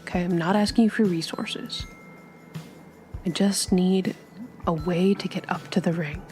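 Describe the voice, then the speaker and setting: A woman playing a down-on-his-luck male private investigator in a tabletop game, hushed, halting, defensive and evasive. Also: lowish voice, steady tone, soft background music, close to an everyday voice. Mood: defensive, pleading.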